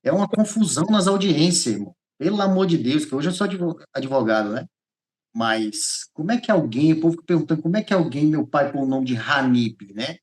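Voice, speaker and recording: Animated Goiás man telling his testimony. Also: on the high side, fairly quick. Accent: Brazilian, from Goiás. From Goiás, Brazil. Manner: animated storyteller, repeats phrases, acts out dialogue. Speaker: podcast guest, lawyer. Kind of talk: personal testimony in a podcast interview.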